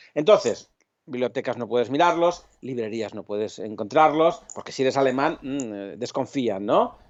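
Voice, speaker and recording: Delivered at a moderate pace, the speech has lively intonation and big swings in loudness. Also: man, medium pitch for a man. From Spain. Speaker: historian. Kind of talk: interview. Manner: animated.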